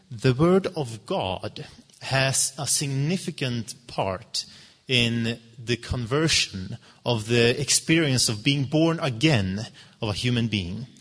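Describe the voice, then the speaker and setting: A man whose first language is Swedish preaches a sermon in English, earnest and halting, with fillers and restarts. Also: medium pitch, a bit bright. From Sweden. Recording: long reverb of a hall.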